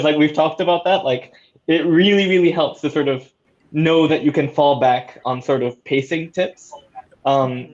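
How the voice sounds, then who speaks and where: The audio is a bit muffled, and the voice is a man's, pitched somewhat high. He speaks casually as a panelist, with eager, encouraging energy. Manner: excited, encouraging. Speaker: audio drama creator and panelist.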